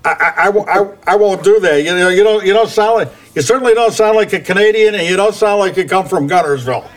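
A man's voice: high-pitched, quick pace, faint music behind. A man hosting a casual interview, rambling in a folksy way and often stammering and repeating his words. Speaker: podcast host.

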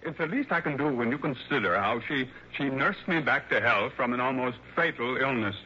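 A man's voice: mid-range voice, expressive, a little fast, bright, forceful tone, slight background noise. An actor playing a wealthy male mystery author in his late fifties, gushing and hesitant with fillers, in a 1960s radio drama. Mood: brooding. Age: 50s. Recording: dull lo-fi old radio broadcast.

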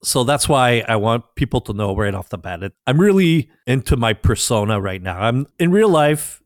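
A French Canadian man with a Québécois French accent, a native French speaker, telling stories in a relaxed podcast chat. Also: mid-range voice, moderate pace, no room sound, clean studio sound. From Quebec, Canada. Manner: relaxed storytelling with fillers. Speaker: podcast guest. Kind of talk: casual chat.

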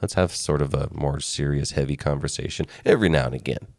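A man's voice: extremely low pitch, fast talker, vocal fry, a little mellow, dry recording, studio quality. A man co-hosting a podcast in casual chat, easygoing and rambling, with frequent fillers. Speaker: podcast co-host.

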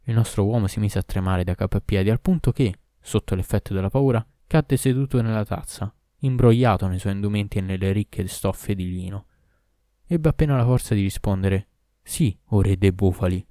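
A man narrating a classic tale in a steady storytelling reading. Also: fairly low pitch, fairly quick, dry recording, clean studio sound. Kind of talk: audiobook reading.

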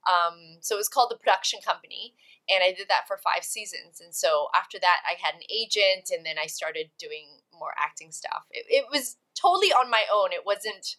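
A woman's voice: mid-range voice, lively intonation, moderate pace, bright, forceful tone, rough recording. A woman guest on a podcast interview, chatting about her career with frequent laughs and fillers. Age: adult, career of over two decades. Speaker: podcast guest, actress and TV host. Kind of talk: casual interview chat.

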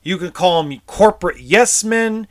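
A man's voice: high-pitched, animated, measured pace. A tense man ranting in a vlog as an RV service technician, frustrated and heated, swearing and stammering over repeated words. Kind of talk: vlog rant.

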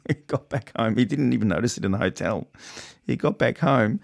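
A man's voice: medium pitch, moderate pace, gravelly. A man with an Australian accent chatting casually as a podcast co-host, in a laid-back, colloquial way. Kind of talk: casual chat.

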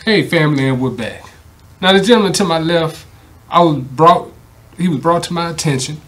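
Higher-voiced man hosting a chat. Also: moderate pace. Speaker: talk show host. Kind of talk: casual interview chat.

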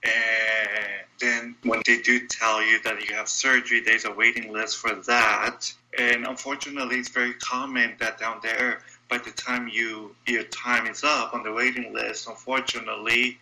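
A man's voice: mid-range voice, little pitch movement, normal speed, few pauses, pushed and bright, poor audio. A man from Brazil with a Brazilian Portuguese accent, whose first language is Portuguese, speaks as a radio show guest, earnest and candid with a wry edge. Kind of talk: casual interview talk.

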